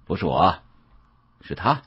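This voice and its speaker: A man voicing a brash, cocky fellow in an audiobook, loud, blunt and provoking. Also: low voice, very animated, measured pace, breathy edge, dull audio, full character voice. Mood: bold.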